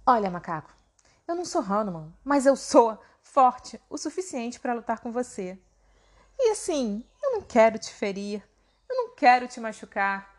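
A woman's voice: a little high, very animated, moderate pace, darkish tone. A woman voicing Bima, a proud and mighty male warrior who speaks with emphatic indignation. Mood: fervent.

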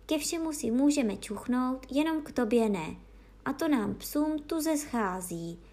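A woman voicing the oldest dog, an old wise male dog who talks in a solemn, slow, reverent way. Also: high-pitched, lively intonation, warm tone.

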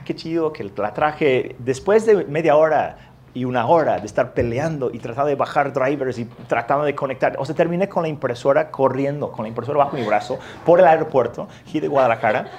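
A man's voice: medium pitch, fairly quick, slight background noise. Man preaching through a self-mocking story. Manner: animated, self-mocking anecdote with lively voiced quotes. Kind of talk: storytelling sermon.

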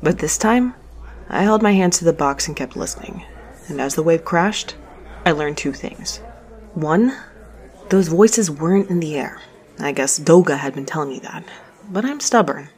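A woman's voice: low-pitched, animated, normal speed, darkish tone. A woman playing a frazzled, wry, stubborn space courier who narrates their own story conversationally in an audio drama. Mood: wry narrating. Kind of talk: audio drama acting and first-person narration.

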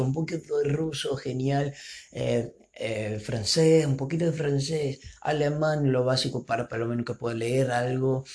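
Young man, brazilian accent, native portuguese speaker, rambling, playful podcast host. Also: mid-range voice. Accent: Brazilian Portuguese speaker, mixing in an Argentine lilt. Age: 20s. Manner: rambling, playful, self-mocking, switches into put-on voices. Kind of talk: casual solo podcast talk.

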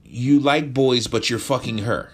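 A man voicing Jeremy, a flamboyant gay man who teases and scolds his friend in a high camp lilt. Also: animated, normal speed, soft background music. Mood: scolding. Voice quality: high camp lilt, calls people sweetie. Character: flamboyant gay male friend, teasing and blunt.

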